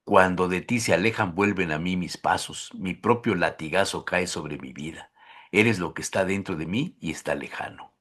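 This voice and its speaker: Low-voiced man reciting poetry softly. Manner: recites poems slowly and softly, dropping low. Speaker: host. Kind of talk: talk show discussion with poetry recitation.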